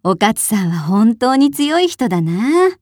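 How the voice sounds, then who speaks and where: An astonished crowd of storybook village women pepper someone with eager questions, as a woman reading aloud puts them on. The voice climbs far above the reader's own and sounds louder and brighter. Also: a little high, very animated, a little slow, no echo, clean studio sound, pitched above the performer's own voice.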